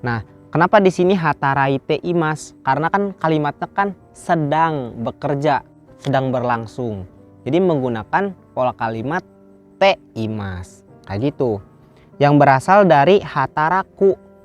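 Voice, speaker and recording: A man from Indonesia teaching Japanese in a casual lesson, explaining step by step and slowing down to repeat phrases. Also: a little high, expressive, muffled recording, faint music behind. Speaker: Japanese language teacher, channel host.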